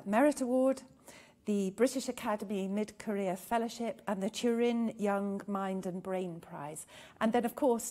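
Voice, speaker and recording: A woman's voice: fairly high pitch, darkish tone. An older woman hosting, formally introducing a lecturer and reading out her honours at a podium microphone in a large hall. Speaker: event host introducing the speaker.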